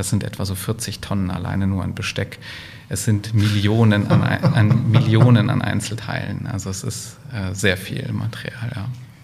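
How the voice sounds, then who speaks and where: With audible room echo and noticeable background noise, a man talks at a moderate pace in a fairly low pitch, his intonation fairly even. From Switzerland. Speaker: company CEO. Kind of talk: interview. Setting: company office.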